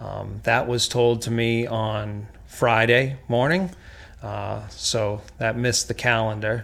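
Delivered very slowly, the speech keeps a fairly even intonation. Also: man, medium pitch for a man. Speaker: golf course superintendent, podcast co-host. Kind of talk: casual chat. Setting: studio.

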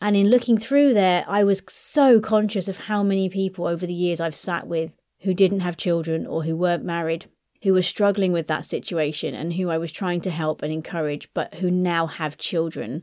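A dark, mellow tone with a British accent, moderate pace and ordinary pitch variation, on a very clean recording with a silent background. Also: woman, fairly low pitch for a woman. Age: 40s. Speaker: podcast host. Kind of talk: unscripted solo monologue. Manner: casual with some hesitations.

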